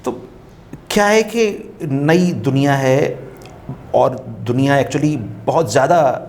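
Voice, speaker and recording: A man as a talk-show guest, speaking in an unhurried, musing way, repeating phrases for emphasis and quoting couplets. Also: mid-range voice, darkish tone, a little hiss or hum. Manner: quotes couplets while explaining. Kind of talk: reflective talk-show conversation.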